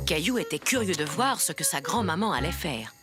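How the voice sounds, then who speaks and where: A woman playing a grandmother who reads a children's story aloud, with expressive, carefully articulated narration. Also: sits low, a little fast. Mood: storytelling. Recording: music behind the voice.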